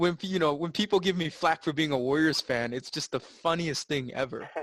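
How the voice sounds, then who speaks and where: A man at a fairly quick pace with ordinary pitch variation, a dry, close sound with no echo and a quiet background. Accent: American. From Thailand (Bangkok). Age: 20s. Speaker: podcast guest. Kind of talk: casual chat.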